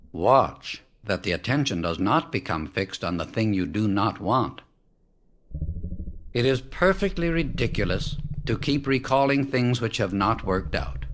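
A man reading a spiritual book aloud as an audiobook narrator, in a measured, emphatic way that slows down on key words. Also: lowish voice, fairly bright tone, slight background noise. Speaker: audiobook reader. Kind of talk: solemn scripted reading of spiritual teachings.

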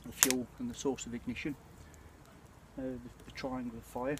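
A British man in his forties chatting casually and reflectively to camera, with a hesitant, throat-clearing delivery. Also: mid-range voice, little pitch movement, moderate pace. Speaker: bushcraft vlogger. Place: outdoors at night by a small campfire. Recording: clear ambient noise of an outdoor campfire.

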